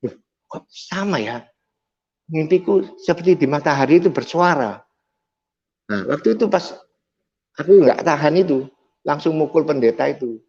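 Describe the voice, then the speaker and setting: A man's voice: a little high, animated, moderate pace, gravelly, pauses often, darkish tone. A man telling his personal faith testimony as a vivid storyteller, acting out the dialogue and growing intense at the dramatic moments. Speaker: testimony speaker. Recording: dull lo-fi recording.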